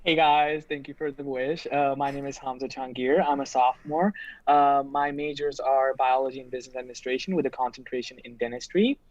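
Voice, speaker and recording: A young man from Pakistan, a student panelist introducing himself briefly and relaxed on a video call. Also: mid-range voice, brisk, no room sound, lo-fi sound. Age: young adult.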